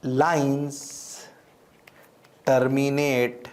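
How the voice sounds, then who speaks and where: A man's voice: mid-range voice, flat delivery, very slow, a little mellow, roomy sound. A man teaching physics with an Indian accent, theatrical, answering his own questions in the voice of a student. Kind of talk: classroom lecture. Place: classroom.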